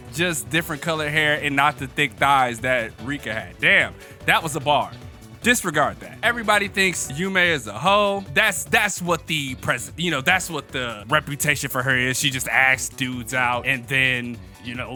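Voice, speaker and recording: A young man recaps an anime episode in a loose, animated way, swearing and slinging slang as he goes. His voice is bright and forceful, pitched a bit higher than most men's, with faint music underneath. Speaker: anime reviewer. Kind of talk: casual episode recap and review.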